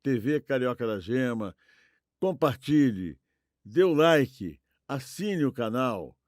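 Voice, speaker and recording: A man's voice: medium pitch, lively intonation, slow, darkish tone, dry recording, studio quality. A man with a Brazilian accent hosting a podcast in a conversational way. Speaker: host.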